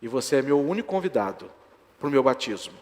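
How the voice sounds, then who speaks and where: A grown man on the eve of his baptism, speaking softly and earnestly through tears, as a preacher acts him out in his sermon. The quiet voice rings in the long echo of a church hall. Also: mid-range voice, sing-song, a little fast, lightly acted. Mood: tearful. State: crying. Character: grown man about to be baptized, tearful and forgiving.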